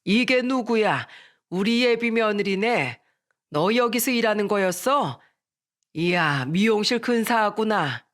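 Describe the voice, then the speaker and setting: A storyteller voicing a middle-aged working man, a father who raises his voice in loud indignation. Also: high voice, expressive, slow, heavily acted. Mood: cheerful. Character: hardworking older father, plumber, hurt and angry. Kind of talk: storybook narration.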